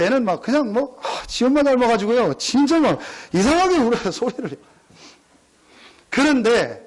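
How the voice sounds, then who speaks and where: Middle-aged pastor guy preaching, high voice, swings up and down a lot, keeps calling out to the church. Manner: emphatic, repetitive, addresses congregation often. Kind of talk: sermon. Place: church sanctuary.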